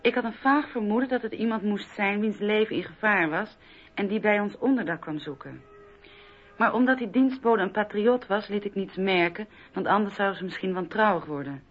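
An actress playing a cautious bourgeois wife giving guarded, self-justifying testimony in a radio drama. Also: female voice, medium pitch, normal speed, close to an everyday voice. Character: cautious married bourgeois woman recounting a dangerous visit. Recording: dull lo-fi radio recording.

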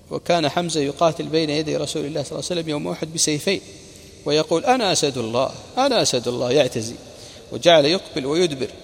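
A man's voice: fairly high pitch, gravelly, big-room sound, slight background noise. A man preacher narrating a religious history lesson, recounting reports and quoted sayings with brief explaining asides.

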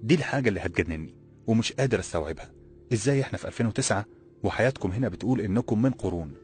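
A man voicing a young man with an Egyptian accent who is stranded in a strange city, talking in quick, exasperated colloquial speech. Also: on the low side, expressive, a little mellow, faint music behind, close to an everyday voice. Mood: bewildered. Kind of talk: audiobook character voice.

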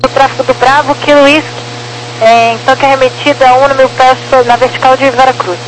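A woman's voice: high-pitched, level tone, brisk. Brazilian woman air traffic controller over noisy walkie-talkie radio. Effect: over walkie-talkie style aviation radio. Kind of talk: clipped procedural radio instructions. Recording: noisy humming aviation radio.

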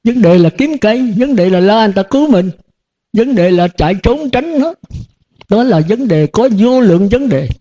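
Older male monk preaching; high voice, mellow tone, folksy and questioning, dull lo-fi sound. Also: lively intonation, normal speed. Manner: folksy, rhetorical questions, chuckles often. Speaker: Buddhist monk teacher. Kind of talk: dharma talk to disciples. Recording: dull lo-fi recording.

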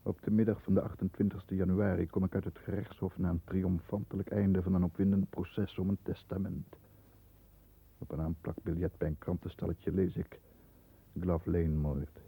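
Deep, gravelly, stern lawyer. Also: male voice, flat delivery, mellow, full character voice. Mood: grim, agitated. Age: middle-aged. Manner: formal, measured diction. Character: stern, proud male lawyer protecting the family name. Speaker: actor in a radio drama. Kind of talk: 1960s Dutch radio play acting, first-person narration and dialogue. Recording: muffled, thin 1960s radio recording.

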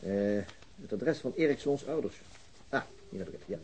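A man playing a brisk, probing police detective in a radio drama, with questions broken by small hesitations. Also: mid-range voice, expressive, a little mellow, a little hiss or hum, natural voice. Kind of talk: Dutch radio drama dialogue.

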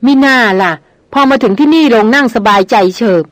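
A woman's voice: high voice, lively intonation, brisk, no room sound, voice pushed up. Woman reading as an angry male hunter. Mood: sarcastic. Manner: angry, sarcastic, nearly shouting. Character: gruff, hot-tempered male big-game hunter. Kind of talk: audiobook reading of a novel.

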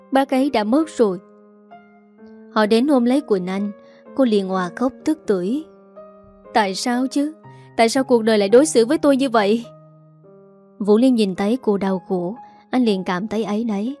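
A woman's voice: mid-range voice, dark tone. A woman reading a dramatic family story aloud, voicing every character herself. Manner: emotional melodrama reading, voicing all characters. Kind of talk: storytelling narration.

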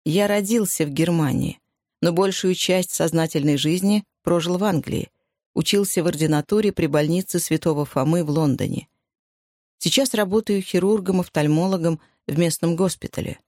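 A woman reading the part of a lonely, courteous German-born eye surgeon, speaking with a German accent in a measured, wry way. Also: fairly low pitch, a little mellow, dry recording, clean studio sound. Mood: candid.

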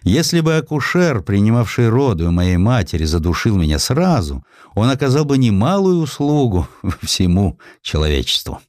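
A proud, cynical male inventor as a male narrator acts him out holds forth in an audiobook drama. He declaims with sardonic emphasis, his pitch swinging high and wide. The sound is dry. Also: big pitch swings, normal speed, darkish tone, no echo. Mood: bitter, sardonic.

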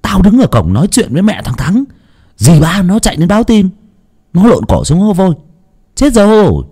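A man voicing a jittery young village man who stammers and shouts urgently. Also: sits high, wildly swooping pitch, moderate pace, husky, voice pushed up, heavily acted. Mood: insistent.

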